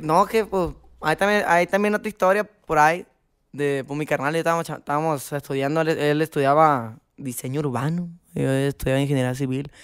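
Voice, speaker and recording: A man's voice: on the high side, clear, resonant tone. A man, a band member chatting casually on a podcast in slangy, laid-back talk. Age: 20s. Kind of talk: casual chat.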